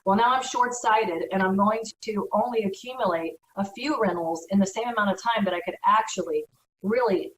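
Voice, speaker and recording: A woman's voice: mid-range voice, recorded from a distance. Woman giving advice in an echoey room. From United States. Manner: earnest, advisory, conversational. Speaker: real estate broker. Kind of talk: educational talk.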